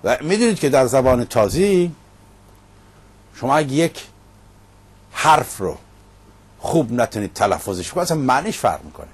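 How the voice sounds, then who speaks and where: A man's voice: medium pitch, very animated, pauses often, breathy edge. A middle-aged man hosting a monologue show, recounting a debate in an emphatic storytelling manner. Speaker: host. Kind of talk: casual monologue. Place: Paris.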